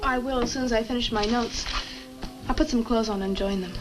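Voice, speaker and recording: Actress as an earnest young student, high voice. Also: female voice, fairly quick, lightly acted, low-quality recording. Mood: friendly. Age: young adult. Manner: polite, eager, articulate. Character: earnest, curious young woman student in a horror film. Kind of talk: 1960 horror film acting. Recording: old film soundtrack with music.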